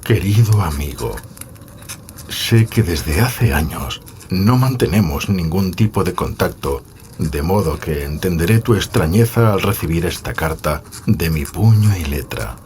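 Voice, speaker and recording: A man playing a troubled nobleman reading out his formal, measured letter in an audio horror story. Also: deep voice, expressive, a little mellow, a little hiss or hum. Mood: grave, pleading. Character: Roderick Usher, agitated ailing nobleman reading his letter.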